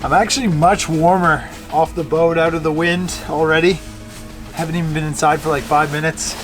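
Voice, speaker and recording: A man's voice: fairly high pitch, steady tone, normal speed. A man talking casually to camera as a vlog presenter, hesitating and correcting himself as he goes. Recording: music behind the voice.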